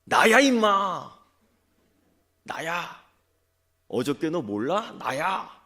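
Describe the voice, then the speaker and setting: A man voicing a small, defiant red-eyed rabbit who bluffs by shouting loudly. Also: low voice, very animated, takes it slowly, heavily acted. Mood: yelling. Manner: shouting, loud and brash.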